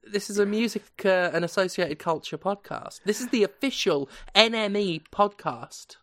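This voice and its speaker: A woman co-hosting a comedy podcast, playful and quick to laugh while improvising. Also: mid-range voice, fairly bright tone. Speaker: podcast co-host.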